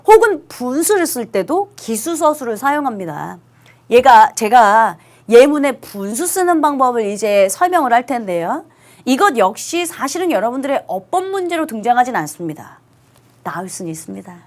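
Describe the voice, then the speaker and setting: A woman teaching an online English lesson to high school students, speaking emphatically and stretching out stressed English words.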